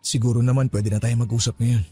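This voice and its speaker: A man's voice: medium pitch, flat delivery, fast, dark tone, slightly rough, lightly acted. A man playing an earnest, lovestruck young suitor in a radio romance drama, pleading insistently.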